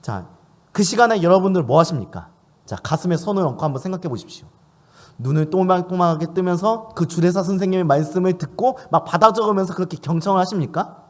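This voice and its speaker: A man's voice: high voice, animated, fast talker. A man preaching a sermon in church, asking questions of his listeners as he speaks. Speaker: pastor.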